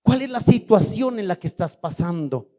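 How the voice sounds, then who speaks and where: A man's voice: high-pitched, lively intonation, normal speed, dark tone. A man, a pastor, preaching a fiery sermon in church and quizzing the congregation with questions. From Colombia.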